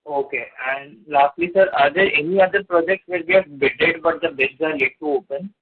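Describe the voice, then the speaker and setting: A male analyst with an Indian accent asks polite questions over a narrow phone line. His voice is husky and a little high. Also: normal speed. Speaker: investment analyst caller. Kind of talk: polite questioning on earnings call. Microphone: telephone.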